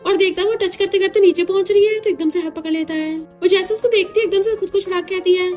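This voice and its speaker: Woman retelling a drama story, really high voice, chatty, faint music behind. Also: a little mellow. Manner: quick, chatty retelling with mixed English words. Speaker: drama recap narrator.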